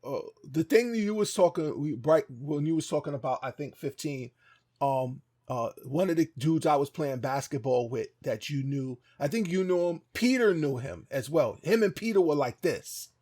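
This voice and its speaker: A man's voice: fairly high pitch, lively intonation, normal speed, a little mellow. A man chatting casually as a podcast co-host, reminiscing in a searching way and often repeating his phrases.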